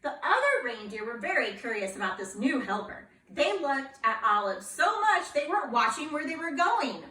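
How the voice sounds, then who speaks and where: A woman reading a children's picture book aloud in a playful, expressive way, asking her young listeners questions. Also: high voice, moderate pace, hardly any pauses, reverberant, recorded from a distance.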